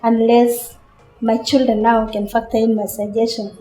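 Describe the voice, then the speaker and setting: A woman's voice: fairly high pitch, little pitch movement, moderate pace, dark tone. A woman giving a personal account in a documentary. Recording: echoey room, music underneath. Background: background music.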